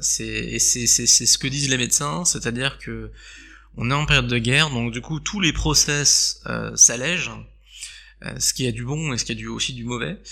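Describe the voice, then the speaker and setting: A man's fairly slow delivery, broken by long, frequent pauses. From Alsace, France (Strasbourg). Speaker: startup founder, biomedical engineer. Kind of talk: interview. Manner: hesitant, many fillers and repetitions.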